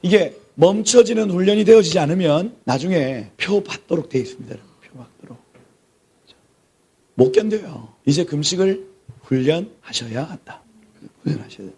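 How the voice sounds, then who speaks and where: A middle-aged male pastor lectures his theology class like a sermon, speaking at normal speed in a slightly high voice with lively intonation, a dark tone, and a breathy edge. Key words get repeated, and he drops to near-whispers for emphasis.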